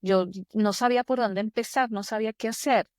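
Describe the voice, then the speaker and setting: A woman's voice: a little high, a little fast, darkish tone, no room sound, studio quality. A woman in her fifties from Venezuela, with a Venezuelan accent, telling personal stories expressively as an interview guest. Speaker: podcast guest, executive coach. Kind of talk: conversational interview, personal storytelling.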